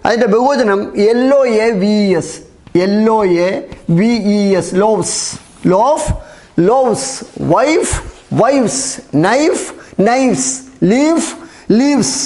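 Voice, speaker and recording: A man's voice: extremely high pitch, takes it slowly, a little mellow. A man with a Malayali accent teaching an exam-prep English lesson, spelling words out letter by letter and repeating the key terms.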